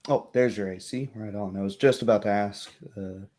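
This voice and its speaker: A tired man chatting casually as game master and host of a livestreamed tabletop game, giving a recap in a halting way. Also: on the low side, darkish tone.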